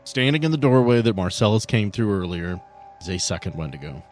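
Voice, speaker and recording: A man's voice: on the low side, big pitch swings, fairly quick, darkish tone, soft background music. A man acting as game master, narrating a tabletop horror game in a conversational way.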